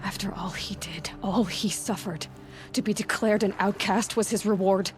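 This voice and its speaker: An actress playing an earnest young tribal huntress in a video game, questioning in an intent, restrained, natural way. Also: female voice, medium pitch, moderate pace, natural voice. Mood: hushed dismay. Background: background music.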